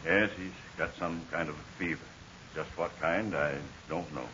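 An American actor playing a worried, weary stranded pilot, plain-spoken and grave, in 1940s radio serial style. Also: male voice, sits low, fairly even intonation, moderate pace, sharp tone. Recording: dull, hissy 1940s radio recording.

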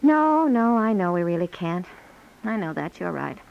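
An actress playing a doting, excitable young wife and proud mother in a 1950s radio domestic comedy, gushing, chatty and coaxing. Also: lowish voice, normal speed, creaky. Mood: resigned. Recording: muffled 1950s radio recording.

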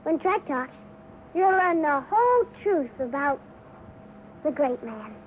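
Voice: high voice, very animated, takes it slowly, heavy background noise, full character voice. A young performer playing an eager, plucky cowboy boy with an American accent in a 1950s radio serial. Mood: troubled. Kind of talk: 1950s juvenile radio acting. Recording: muffled old radio recording.

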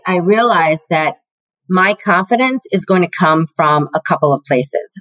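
A middle-aged woman with a deeper voice, answering interview questions in a confident, measured, emphatic way. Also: dry recording, rough recording. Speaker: guest, learning and development executive.

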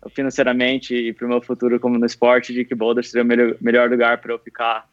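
Young male podcast guest, Brazilian Portuguese accent, medium pitch, relaxed conversational delivery, somewhat lo-fi home recording. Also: fast talker. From Piracicaba, São Paulo state, Brazil. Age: young adult. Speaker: podcast guest, professional triathlete. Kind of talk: casual interview chat. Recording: slightly dull, lo-fi remote recording.

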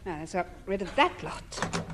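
An actress in a vintage radio sitcom playing a scheming, brisk woman of the house who deals behind someone's back. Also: on the low side, lively intonation, fairly bright tone, a little hiss or hum. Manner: brisk, conspiratorial. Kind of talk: 1950s radio sitcom acting.

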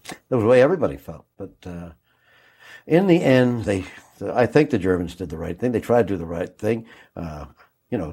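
An older man recalling a day he covered on air, speaking haltingly with many restarts and a moved, choked-up tone. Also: low-pitched, a little mellow, slightly rough. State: moved, choking up. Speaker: interviewee recalling a broadcast. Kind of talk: reflective interview recollection.

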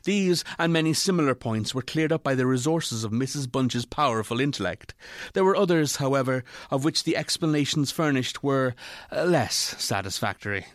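A man reads an old-fashioned ghost story as its narrator. His mid-pitched voice is measured and deliberate, recorded very dry and close. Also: expressive, no room sound.

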